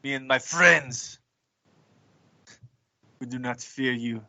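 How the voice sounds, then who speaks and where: Bright-voiced man roleplaying at unhurried pace. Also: medium pitch, creaky, dull audio. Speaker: tabletop game player. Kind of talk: tabletop roleplay, table talk and in-character speech.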